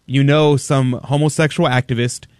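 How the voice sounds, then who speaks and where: Male talk radio host, mid pitch, dry studio sound, emphatic and indignant. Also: little pitch movement, normal speed, a little mellow, no room sound. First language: English. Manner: emphatic, indignant, rhetorical questions. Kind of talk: opinionated talk radio commentary.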